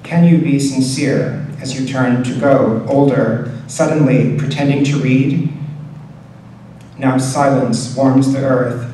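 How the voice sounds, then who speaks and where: A man reading poetry aloud as a poet, in a measured, deliberate delivery with pauses between short phrases. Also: mid-range voice, fairly even intonation, warm tone. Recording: very echoey room, distant mic, faint noise.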